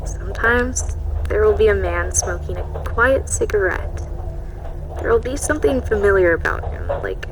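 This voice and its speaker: Low-voiced, haunted woman journal writer. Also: background noise. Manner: literary, measured, haunted. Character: reflective 1940s woman journalist narrating her uneasy train journal. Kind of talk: scripted dramatic journal narration.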